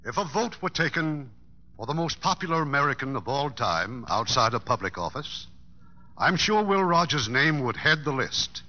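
Grand bright-voiced old-time radio host man. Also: medium pitch, sing-song. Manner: grand, formal, measured. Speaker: radio theater host and announcer. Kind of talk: formal 1950s radio scripted narration. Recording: dull old radio broadcast recording.

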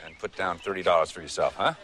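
An actor playing a breezy, smooth-talking man bluffing as a guest, offhand and deadpan, in a film clip. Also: low voice, fast talker. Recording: noisy old film clip.

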